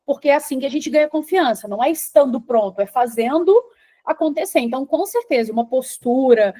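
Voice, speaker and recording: A woman's voice: high voice, animated, fairly quick, mellow. A Brazilian woman with a Brazilian Portuguese accent, an English teacher and engineer, answering interview questions in a confident, teacherly way that builds points as lists.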